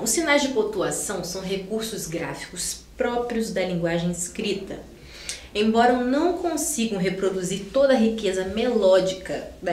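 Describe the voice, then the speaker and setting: A Brazilian woman teacher giving a recorded online grammar class, chatty, often tagging "né?" and using cute diminutives as she writes on a board. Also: mid-range voice. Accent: Brazilian Portuguese. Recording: echoey room, faint hum.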